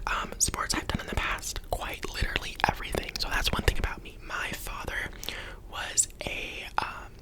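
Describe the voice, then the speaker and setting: A young man of eighteen talks in a soft, breathy whisper for an ASMR video. He rambles in a chatty, unplanned way, filling pauses with "um" and "like". The sound is close and intimate, as if he is speaking from his bedroom. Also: rough recording. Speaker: ASMR creator.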